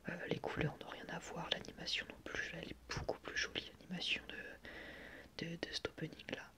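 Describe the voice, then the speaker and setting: Homme qui chuchote en ASMR. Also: male voice, a little high, completely flat delivery, moderate pace. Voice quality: soft unvoiced whisper. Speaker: host of an anime ASMR channel. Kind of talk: whispered ASMR commentary.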